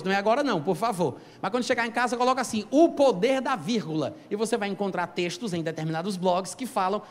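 High-voiced man preaching in a reverberant hall. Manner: animated, emphatic preaching with calls to the congregation. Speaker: pastor. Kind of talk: sermon.

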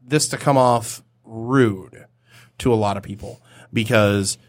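Relaxed rambling podcast co-host man. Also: fairly low pitch, slow, dry recording, clean studio sound. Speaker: podcast co-host leading the session. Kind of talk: casual chat about tabletop world building. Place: podcast studio.

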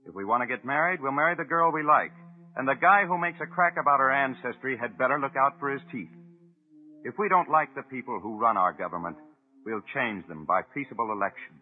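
An actor playing a resolute young American soldier in a 1940s radio drama, speaking in a punchy, rhetorical, defiant manner. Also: male voice, medium pitch, animated, a little fast, faint music behind, close to an everyday voice. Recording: tinny, narrow-band vintage 1940s radio broadcast.

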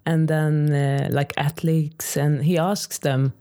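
A woman's voice: sits low, little pitch movement, slow, dark tone. A young woman from Sweden, a native Swedish speaker with a Swedish accent, chatting enthusiastically in an interview with frequent laughs and restarts. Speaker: singer and podcast host, interviewee. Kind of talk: casual interview answers.

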